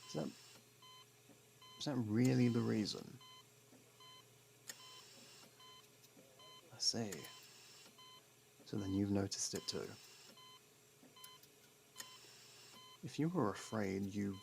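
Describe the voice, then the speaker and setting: In an intimate audio roleplay, a man voices a gruff, guarded convict who is secretly fond of a detective. His low voice, heavy with fry and a little mellow, moves at a measured pace with frequent pauses, sardonic and defensive as he stumbles over denying that he cares, his mood softening and teasing. Clear noise is audible behind him.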